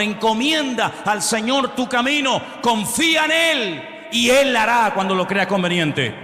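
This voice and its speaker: Male pastor, high bright voice, emphatic sermon, echoey church hall. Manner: emphatic preaching with call-and-response questions and dramatized quotes.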